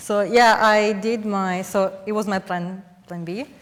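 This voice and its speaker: A woman with an Italian accent. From Italy. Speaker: plant biology researcher. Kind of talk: panel talk. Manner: halting.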